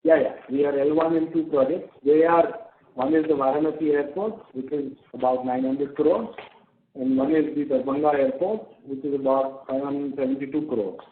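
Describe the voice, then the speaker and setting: A man with an Indian accent answering investor questions as a company executive, halting and matter-of-fact. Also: medium pitch, steady tone. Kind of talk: earnings call question and answer. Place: conference call. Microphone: telephone. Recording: narrow tinny phone line.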